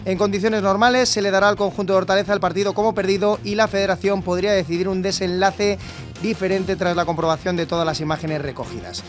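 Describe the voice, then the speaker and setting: A man reading radio sports news in a brisk, scripted way. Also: high-pitched, steady tone, soft background music. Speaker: sports reporter.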